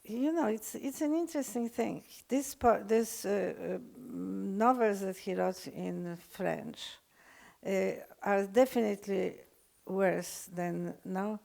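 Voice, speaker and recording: An older woman with a Polish accent, lecturing unscripted, halting often with fillers and restarts. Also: medium pitch, creaky, darkish tone. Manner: hesitant, many fillers and restarts.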